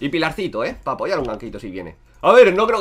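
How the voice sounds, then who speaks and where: A man talks at a very fast pace in an animated tone, with vocal fry. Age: 30s. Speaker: gaming streamer. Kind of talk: live gameplay commentary. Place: home room.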